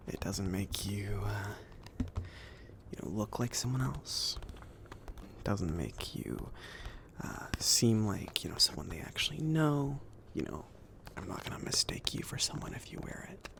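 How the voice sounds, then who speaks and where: Casting: chill, kindly mage , male performer for ASMR roleplay; whispery, lightly gravelly, rambling and casual with lilting intonation. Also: fairly low pitch, full character voice. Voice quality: soft, breathy whispering mixed with murmured speech. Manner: hesitant, casual, rambling delivery. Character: chill, friendly male mage kindly outfitting his apprentice.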